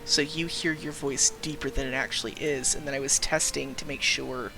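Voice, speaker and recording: A man's voice: mid-range voice, fairly even intonation, moderate pace, vocal fry, over music. A young trans man with a light, youthful-sounding voice chatting casually on a game stream, rambling through stories, laughing often and breaking off to greet viewers. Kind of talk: casual live-stream chat.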